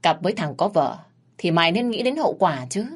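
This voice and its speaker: A woman voicing a fierce, foul-mouthed young woman who shouts coarse curses. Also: lowish voice, big pitch swings, brisk, slightly rough, exaggerated voice. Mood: threatening.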